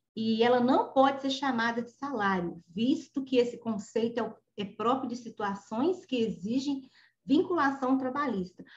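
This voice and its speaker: Her pitch is high, with ordinary variation. The woman keeps a moderate pace. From Brazil, Minas Gerais. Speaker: accountant and professor. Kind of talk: webinar lecture. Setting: live stream.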